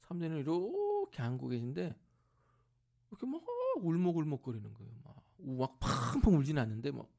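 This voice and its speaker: A man's voice: on the high side, fairly quick, gravelly. A middle-aged man preaching as a pastor, telling a personal family story and acting out voices, sometimes dropping to a near-whisper. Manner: acts out family members' voices in lively bursts, drops to near-whisper at tender moments. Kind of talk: sermon storytelling. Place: church sanctuary.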